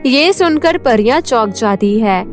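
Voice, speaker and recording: A woman's voice: on the high side, lively intonation, unhurried, soft background music. A woman reading scripted narration for a children's cartoon story.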